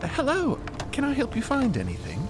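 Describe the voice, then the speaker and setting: A man's voice: very high-pitched, huge pitch swings, brisk, pitched above the performer's own voice, heavily acted. A man voicing a flustered, eager-to-help hat shop keeper with a hesitant, stammering, folksy way of talking, in a fiction podcast. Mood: flustered, helpful. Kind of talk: narrative fiction podcast acting. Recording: music behind the voice.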